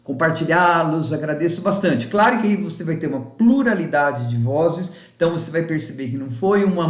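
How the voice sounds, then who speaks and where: A man giving a casual spoken documentary review, rambling with many fillers and restarts. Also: on the high side. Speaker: YouTube film reviewer. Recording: echoey room, dull lo-fi sound.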